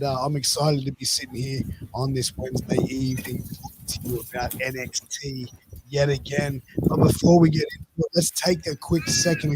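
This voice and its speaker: A man's voice: medium pitch, background noise. Male podcast host, blokey and profane, worn-out recovering voice that cracks, chatting casually about wrestling.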